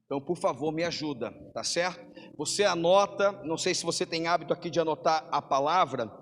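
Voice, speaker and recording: A man's voice: on the high side, a little fast, a bit bright, slight background noise. A man with a Brazilian accent preaching a sermon as a pastor. He calls his listeners "brother" and builds up long lists of phrases for emphasis. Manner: preaches to the congregation, calling them brother. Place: church hall. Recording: long hall reverb.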